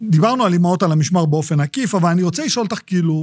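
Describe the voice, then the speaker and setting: A high-pitched male voice with ordinary pitch variation, in a dry, close sound with no echo. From immigrant to Israel. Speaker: podcast host. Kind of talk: interview. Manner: casual, conversational.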